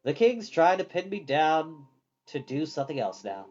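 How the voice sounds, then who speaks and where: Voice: mid-range voice, big pitch swings, moderate pace, darkish tone, highs cut off. A storyteller voicing a vain, sardonic young male wizard in a storybook, theatrical and mock-polite. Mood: worried, restless.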